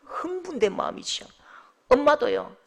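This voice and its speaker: A male pastor preaching in a lively, high voice. His pitch swoops widely as he tells stories, and he sinks to near-whispers to land his points. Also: moderate pace, gravelly. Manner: animated storytelling, dropping to soft whispers for emphasis. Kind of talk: sermon.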